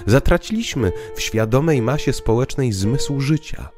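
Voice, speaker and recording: A man's voice: mid-range voice, expressive, moderate pace, pitched above the performer's own voice, natural voice. A man voicing an earnest, bitter social critic in an audio drama, speaking in emphatic rhetoric. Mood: indignant. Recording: piano music underneath.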